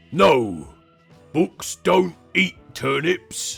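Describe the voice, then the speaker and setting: A man puts on a character voice, pitched fairly high, with faint music in the background. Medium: solo performance. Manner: earnest, literal.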